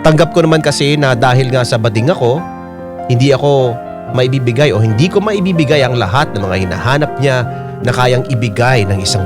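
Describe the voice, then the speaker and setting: Guy playing earnest gay man narrating his love story, radio drama, mid pitch, piano music behind him. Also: natural voice. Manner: confiding, earnest. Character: lovestruck gay salon worker telling his own story. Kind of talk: scripted first-person radio drama narration.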